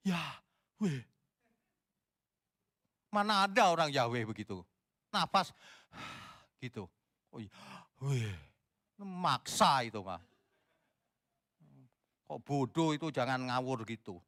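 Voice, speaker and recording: A man's voice: medium pitch, a bit bright, no room sound, clean studio sound. A middle-aged man, a pastor, teaching a seminar on scripture in an emphatic, combative way and often asking the audience questions. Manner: scolding, combative about opponents.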